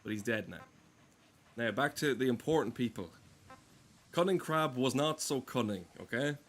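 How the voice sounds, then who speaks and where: A man giving casual gameplay commentary in a deadpan, mock-solemn manner. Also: mid-range voice, moderate pace. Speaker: gameplay streamer. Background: game music.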